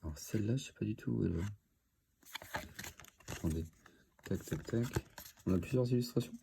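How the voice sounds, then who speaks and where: Brisk and gravelly with a lowish pitch, a man with a stuffy cold hosts a video opening trading card packs, casually thinking aloud with lots of fillers. Background noise is audible.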